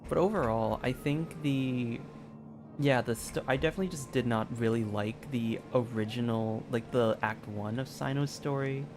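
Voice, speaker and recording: A video game streamer gives casual, rambling commentary while background music plays. His medium-pitched voice moves at a moderate pace, hesitant and peppered with "like."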